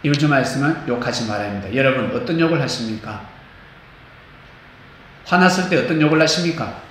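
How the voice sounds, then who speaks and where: A man preaching a sermon as pastor, animated, acting out quotes and singing bits of hymns. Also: mid-range voice, fairly quick. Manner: animated, acts out quotes, sings snatches of hymns. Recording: echoey church hall, faint noise.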